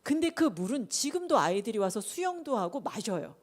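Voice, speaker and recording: Lively woman preaching to children. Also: on the high side, a little fast. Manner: animated storytelling, acting out quotes, questions to the kids. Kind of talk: sermon to children.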